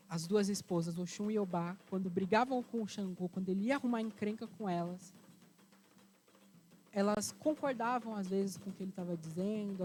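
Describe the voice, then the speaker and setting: A woman with a Brazilian accent, telling folk tales in a lively, conversational way. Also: medium pitch. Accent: Brazilian Portuguese. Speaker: storyteller. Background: background music.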